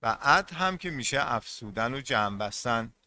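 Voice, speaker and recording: A man's voice: medium pitch, lively intonation, bright, forceful tone, dry recording. A male English teacher giving a classroom lesson, repeating each term and putting questions to his students. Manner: repeats terms and quizzes the class.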